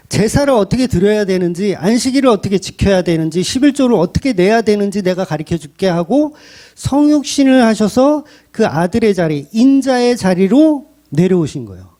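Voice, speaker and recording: A man's voice: high-pitched, dark tone. A man pastor delivering a blunt, colloquial sermon full of rhetorical questions.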